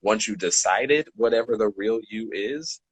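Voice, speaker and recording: Deep voice guy, dry close sound, explaining stuff loosely on a podcast, rephrases a lot. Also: normal speed, breathy edge, no echo, poor audio. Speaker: podcast speaker. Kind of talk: casual explanatory podcast chat.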